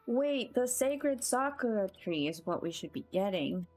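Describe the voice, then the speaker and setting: A woman's voice: on the high side, animated, unhurried, darkish tone. A woman live-streaming a game in a playful, chatty way, welcoming her viewers as she plays. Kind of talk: casual chat while playing. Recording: game music behind the voice. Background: game music.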